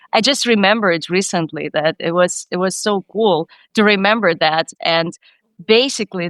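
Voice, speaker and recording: A woman's voice: on the low side, fairly bright tone, no room sound. A Ukrainian woman with a Ukrainian accent, a startup CEO being interviewed on a podcast, talking earnestly and dreamily with frequent restarts. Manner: earnest, dreamy, many restarts, light non-native grammar.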